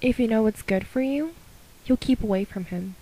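A woman's voice: fairly high pitch, normal speed, dark tone, rough recording. A woman voicing a snobbish teenage mean girl, by turns disdainful and syrupy, in an amateur voice audition. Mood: menacing.

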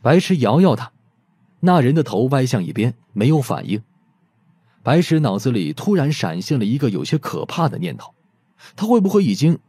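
A man narrating a mystery audiobook in an expressive storytelling manner. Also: mid-range voice, normal speed, slightly rough, dry recording.

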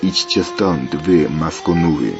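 A man voicing a stubborn, irritated boy who answers back loudly in a read-aloud story. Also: deep voice, steady tone, normal speed, over loud music, natural voice. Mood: defiant. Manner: loud defiant outbursts. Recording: muffled lo-fi with faint hiss.

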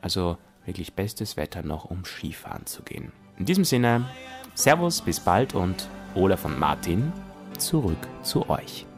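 Podcast reviewer: male, Austrian accent, lowish pitch, emphatic and deliberate delivery. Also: sing-song, over music. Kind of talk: spoken audio drama review.

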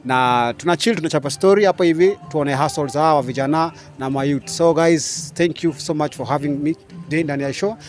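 A young Kenyan man hosts a street interview on a bench outside a shop. He talks fast and a little high, mixing Swahili and English slang in a chatty way, with faint music playing behind. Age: young adult. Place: outdoors on a shop front bench.

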